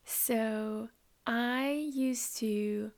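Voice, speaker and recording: Slow, soft-spoken woman with a gravelly voice. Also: fairly high pitch, fairly even intonation. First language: German. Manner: soft, slow and reflective, often near a whisper. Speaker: podcast host. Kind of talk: calm spiritual podcast monologue.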